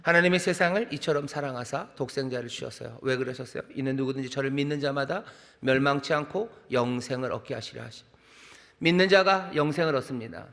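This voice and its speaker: Man, middle-aged pastor, mid-pitched voice, sermon, rhythmic repetition, large sanctuary echo. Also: fast talker, vocal fry, a bit bright. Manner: conversational preaching with rhetorical questions. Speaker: senior pastor. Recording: long reverb of a large hall.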